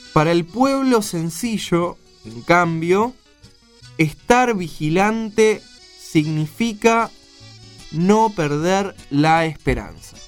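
Man acting an eager, high-voiced Argentine helper. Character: earnest, eager, sleepy male helper and companion. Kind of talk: radio drama acting.

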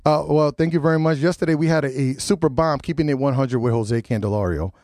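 A man's voice: a little high, quick pace, darkish tone, no echo. A radio host with a head cold, sounding nasal, chatting loosely and joking with his studio guests. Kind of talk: casual community radio chat.

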